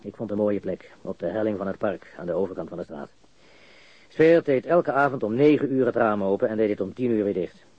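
A man's voice: fairly low pitch, animated, a little fast, no room sound, muffled recording. An actor playing a cocky, jittery criminal suspect in a radio drama, stammering, repeating himself and swearing as he confesses. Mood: smug, amused.

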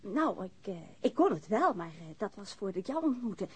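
A woman's voice: mid-range voice, sing-song, normal speed, darkish tone, breathy edge. An actress playing a policeman's frank wife in a naturalistic radio drama, sardonic, playful and outspoken, teasing and eager by turns. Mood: playful, obliging.

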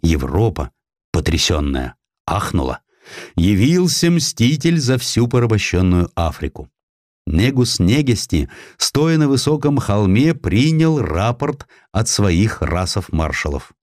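A man reading a historical essay as an audiobook narrator, in a measured, dramatic storytelling delivery with expressive emphasis. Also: lowish voice, no echo, clean studio sound.

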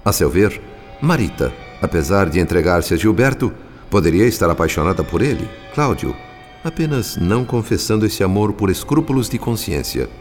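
A man's voice: low-pitched, big pitch swings, normal speed, darkish tone. A man with a Brazilian accent giving solemn, formal scripted narration for a radio drama. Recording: faint music behind the voice.

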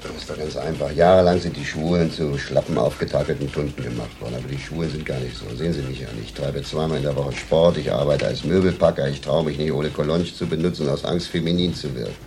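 A self-assured, masculine gay man in a radio crime drama. His voice is extremely deep, and he explains things in a dry, matter-of-fact way over faint background noise. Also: fast, hardly any pauses, a little mellow.

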